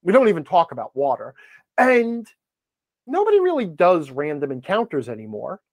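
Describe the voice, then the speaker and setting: A man's voice: fairly high pitch, huge pitch swings, normal speed, no echo. A middle-aged man talking opinionatedly and conversationally as a podcast guest, emphatic and given to sarcastic asides. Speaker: podcast guest, tabletop gaming blogger.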